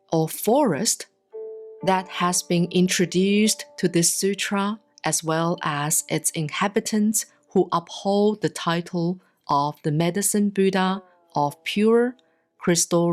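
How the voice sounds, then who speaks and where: Woman, lowish voice, very unhurried solemn sutra reading, deliberate pauses, plucked-string music behind. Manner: measured, deliberate phrasing with pauses. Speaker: Buddhist monastic reading scripture. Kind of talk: solemn scripted sutra recitation, audiobook-like reading. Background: soft plucked guitar-like music.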